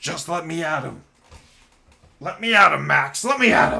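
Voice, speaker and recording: Using a raspy, put-on character voice, a man talks at a moderate pace with a high pitch. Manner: angry, aggressive, straining to fight.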